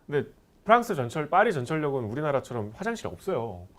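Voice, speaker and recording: Podcast host, man in his forties, lively swinging delivery, slightly high voice, casual storytelling. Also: fast. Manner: animated, rises sharply when recalling anger.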